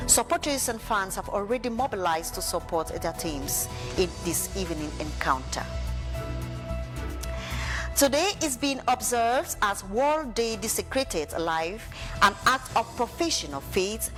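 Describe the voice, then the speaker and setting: A woman anchoring an evening TV newscast, reading steadily with an occasional "uh". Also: mid-range voice. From Cameroon. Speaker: news anchor.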